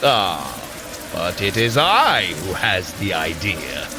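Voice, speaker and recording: A man's voice: sits low, big pitch swings, slow, noisy background, heavily acted. A man playing a bold, earnest thunder god warrior in an audio drama, with a hearty, grandiose, declamatory manner. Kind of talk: audio drama acting for a fitness adventure.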